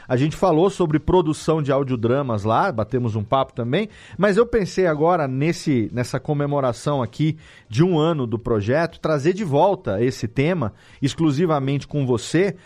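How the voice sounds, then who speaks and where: A man's voice: on the high side, lively intonation, normal speed, hardly any pauses, darkish tone. A man with a Brazilian Portuguese accent hosting a casual, chatty podcast interview, informally rephrasing as he goes. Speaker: podcast host.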